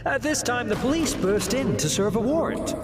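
An actor playing a smooth-talking demon who works as a defense lawyer, telling his story in a theatrical, wry way for an audio drama. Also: very high-pitched, expressive, normal speed. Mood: matter-of-fact, cynical. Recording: reverberant hall, music underneath.

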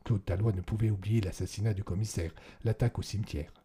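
A man narrating an audiobook in a calm, measured storytelling manner. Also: fairly low pitch, husky.

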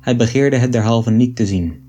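A man reading aloud an old book in a measured, deliberate way. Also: mid-range voice, mellow, breathy edge. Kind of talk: scripted narration of an 18th-century text.

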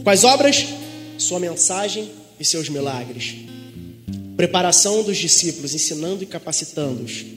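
Brazilian male preacher, high voice; lively, jokey sermon with asides; reverberant hall, music underneath. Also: moderate pace. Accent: Brazilian Portuguese. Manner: lively, joking asides, digresses and laughs.

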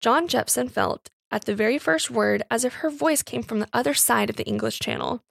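A woman's voice: a little high, a little fast, vocal fry, dry recording, studio quality. A woman narrating a Victorian literary tale expressively as a story reader.

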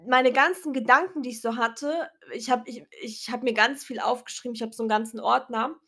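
A woman speaking loudly and earnestly to her viewers in a casual, unedited motivational vlog, her voice a little strained. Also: on the high side, fairly even intonation, fairly quick. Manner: earnest, encouraging, talks loudly. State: clearing her throat, voice a bit strained. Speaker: vlogger. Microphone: self-recorded, unedited.

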